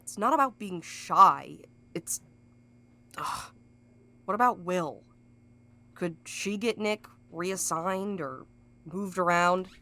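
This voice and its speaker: A woman's voice: fairly low pitch, slow pace, long pauses, sharp tone, exaggerated voice. A woman playing a blunt, sardonic courier with an impatient streak in an audio drama. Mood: hesitant, irritated. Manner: blunt, sarcastic. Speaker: voice actor in a fiction podcast. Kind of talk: scripted audio drama acting.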